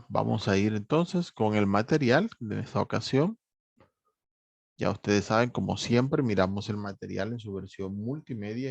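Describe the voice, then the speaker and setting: Male teacher, gravelly voice, dry close sound, measured lecture. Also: lowish voice, no echo. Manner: measured, repeats reminders, many fillers like "obviamente". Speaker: English teacher. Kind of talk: online course lecture.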